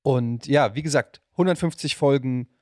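A man's voice: mid-range voice, moderate pace, darkish tone, no room sound. Male podcast host. Informal, keen, slangy, close dry sound. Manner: enthusiastic, informal with English slang. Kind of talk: casual podcast chat.

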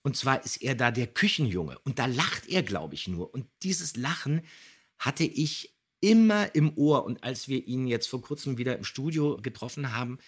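Husky middle-aged man explaining on a podcast. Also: mid-range voice, sing-song, normal speed. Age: middle-aged or older. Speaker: podcast co-host, radio play voice actor. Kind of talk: casual podcast talk, explaining.

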